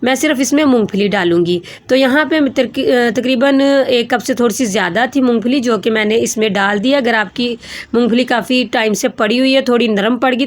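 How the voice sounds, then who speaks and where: A woman with a Pakistani Urdu accent hosting a home cooking tutorial, chatty and explaining step by step with small hesitations. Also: on the high side. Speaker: cooking channel host.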